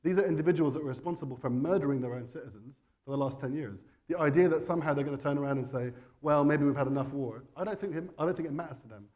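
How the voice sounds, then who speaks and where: Insistent man with a mellow voice. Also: fairly high pitch, very fast, hardly any pauses. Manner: forceful, insistent argument. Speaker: panelist. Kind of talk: panel discussion. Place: conference hall.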